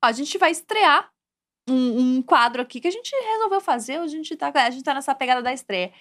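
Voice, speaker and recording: Woman podcast host, high voice, teases the guests like it's a real competition. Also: expressive, fairly quick, fairly bright tone. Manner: teasing, mock-competitive. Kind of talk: casual podcast chat running a game.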